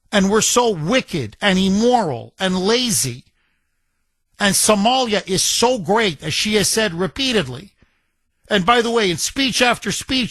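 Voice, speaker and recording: A man's voice: sits high, fairly bright tone, no room sound. A man hosting a call-in radio show, talking in a combative, emphatic and scornful way. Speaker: radio talk show host. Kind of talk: talk radio monologue and call-in.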